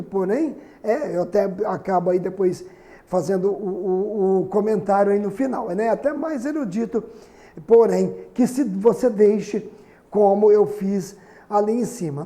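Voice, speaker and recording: A man's voice: high voice, mellow. A middle-aged man from Brazil teaching a recorded grammar lesson, chatty, often checking in with the class as he writes on the board. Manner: chatty, constantly asking "né?" and "certinho?"; writes on the board while explaining.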